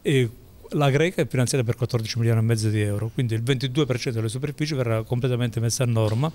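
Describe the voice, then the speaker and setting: A middle-aged hospital official stands at the hospital entrance at night and rattles off figures to a reporter. He talks quickly and in a businesslike way, with faint noise in the background. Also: medium pitch, darkish tone. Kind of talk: news interview.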